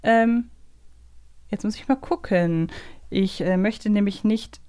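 A woman with a medium-pitched voice co-hosts a podcast. She talks casually, in an unscripted quiz chat, working through her thoughts out loud. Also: takes it slowly. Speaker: podcast co-host.

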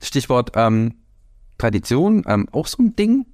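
A man's voice: mid-range voice, big pitch swings, unhurried, darkish tone, dry recording, clean studio sound. A man from Franconia with a Hessian accent, co-hosting a casual podcast chat from a home party room, wry and talking in stops and starts. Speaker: podcast co-host.

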